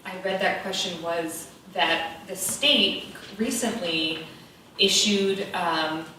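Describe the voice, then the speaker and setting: A woman on a panel explaining resources in a measured, informative way with frequent ums. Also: lowish voice, pushed and bright, slight background noise. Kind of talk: panel discussion. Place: event hall. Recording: echoey hall from far off.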